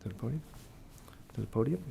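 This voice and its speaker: A man's voice: mid-range voice, expressive, fast talker, vocal fry, dark tone, slightly rough. A man chairing a city planning meeting, hesitant and apologetic, with many ums. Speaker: commission chair. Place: council chamber.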